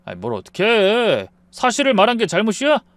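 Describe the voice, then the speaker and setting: Guy doing a mean drunk husband, high and loud, sneery, dry close mic. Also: huge pitch swings, fairly quick, dry recording, full character voice. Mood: shouting. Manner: sneering, shouting, whiny. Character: arrogant drunk husband, newly promoted, sneering.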